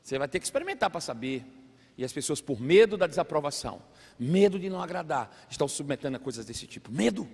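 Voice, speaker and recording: Male pastor, high voice, lively storyteller, big reverberant church hall. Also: fast, vocal fry, husky. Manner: animated storytelling, acts out voices. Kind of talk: sermon.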